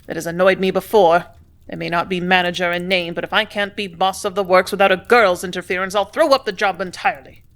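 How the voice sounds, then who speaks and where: A woman's voice: medium pitch, fairly quick, sharp tone, close to an everyday voice. A woman reading the part of a brusque, blustering male factory superintendent who snaps and roars at his clerk. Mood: angry. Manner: snapping, roaring, bullying.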